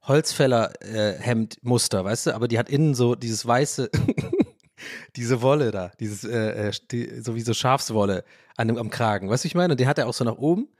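A man hosting a podcast, talking in a rambling, animated way, often interrupting himself and laughing. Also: medium pitch, normal speed, no echo, studio quality. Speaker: podcast host. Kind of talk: casual podcast monologue.

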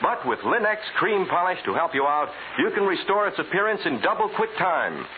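A man's voice: high-pitched, sing-song, normal speed. A man announcing in 1940s radio style, reading scripted copy with a polished, emphatic sales delivery. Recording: hissy, narrow-band 1940s radio recording.

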